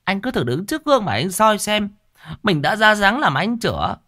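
A man doing a shrill furious village widow. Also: sing-song, sharp tone, heavily acted. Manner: shrill, screeching, rapid scolding.

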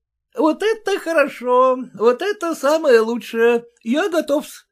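A man's voice: extremely high pitch, expressive, unhurried, voice pushed up. A man voicing a fussy, stingy, servile male clerk who mutters and answers deferentially to his father-in-law. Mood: fawning.

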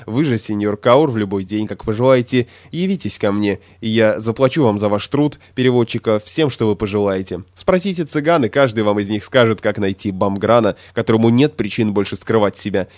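A man voicing a proud, mocking male Spanish gentleman who speaks slowly and haughtily. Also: on the low side, no room sound, lightly acted. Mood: haughty.

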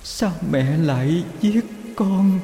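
A sorrowful ghost of a dead young mother in an audio horror story, as a man puts her on. Her soft, murmured voice drifts in a sing-song lullaby. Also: sits high, lively intonation, takes it slowly, reverberant, in a large hall, faint music behind, pitched above the performer's own voice, heavily acted. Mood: eerie lullaby.

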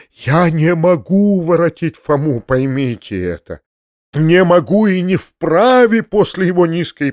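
A man reading aloud voices an agitated middle-aged gentleman who speaks with solemn, earnest pleading. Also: on the high side, dry recording, clean studio sound, natural voice.

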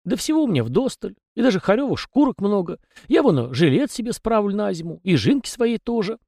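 A man's voice: sits high, sing-song, a little fast, gravelly, mellow, no room sound, clean studio sound, pitched above the performer's own voice, heavily acted. A man voicing a small, talkative male house spirit with rustic, folksy peasant speech. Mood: chatty folksy.

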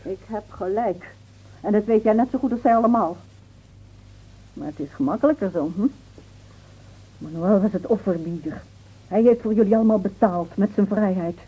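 An actress playing a bitter, grieving village wife in an intense, emotional radio drama. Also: female voice, medium pitch, normal speed, long pauses, breathy edge, lightly acted. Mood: bitter, accusing. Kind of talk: Dutch radio drama acting. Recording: muffled, phone-like old radio recording.

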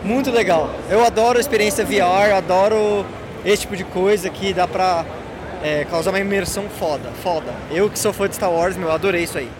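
A young Brazilian man hosting a gaming podcast, talking casually and with excitement, full of slang. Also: sits high, fairly quick, noisy background. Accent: Brazilian Portuguese. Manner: excited, slangy, gushing about games. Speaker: podcast host. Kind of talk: casual gaming podcast talk with on-site recordings.

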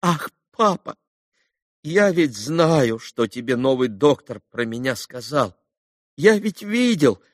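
A man's voice: a little high, expressive, measured pace, no echo, studio quality, pitched above the performer's own voice. A man voicing a frail sick young boy who pleads in a trembling, tearful voice, in an audiobook. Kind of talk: audiobook character reading.

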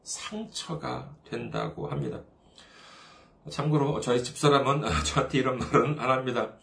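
A man's voice: mid-range voice, moderate pace, creaky, a bit bright, echoey room. A man preaching a sermon as a pastor, in a conversational, humorous way, often asking the listeners questions.

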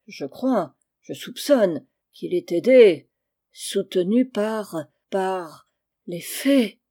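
A woman voicing a miserly, spiteful older woman who talks in a shrill, hasty and grasping way. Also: expressive, normal speed, dark tone. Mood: scheming.

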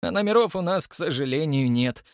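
A man voicing an elderly, frightened woman concierge who gossips and complains in a hushed, fretful way. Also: on the high side, animated, brisk, no room sound, clean studio sound, pitched above the performer's own voice. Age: older.

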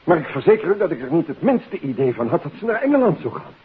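A man's voice: fairly high pitch, big pitch swings, fast talker. An actor playing an uneasy, formal male suspect in a 1950s Dutch radio play, hesitant and defensive. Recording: tinny, hissy old radio recording.

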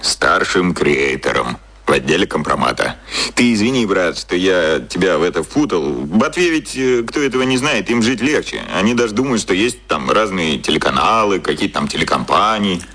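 A man's voice: low-pitched, animated, moderate pace, pushed and bright, breathy edge, full character voice. A man acting a cynical, matey shady colleague in a radio drama, talking colloquially and confidingly. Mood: confiding, apologetic. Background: music.

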